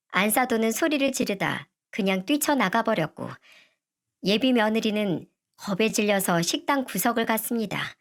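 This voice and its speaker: A middle-aged woman narrating a first-person family story in a steady, even manner. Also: medium pitch.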